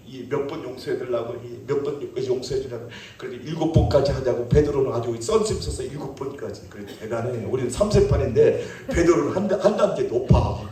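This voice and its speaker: A man preaching a sermon as pastor, playful and animated, calling out questions to his congregation. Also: mid-range voice, recorded from a distance. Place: church sanctuary. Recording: echoey church hall, mic from afar.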